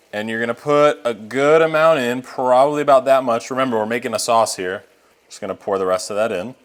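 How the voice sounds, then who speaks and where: A bright-ish, mid-range male voice belongs to a home cook demonstrating a recipe. He keeps things relaxed and conversational, addressing viewers and walking them through each step.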